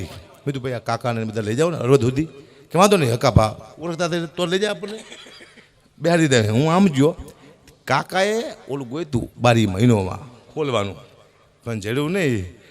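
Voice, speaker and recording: A middle-aged man, an animated folk comedian telling stand-up jokes at a gathering and shouting his punchlines. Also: medium pitch, normal speed.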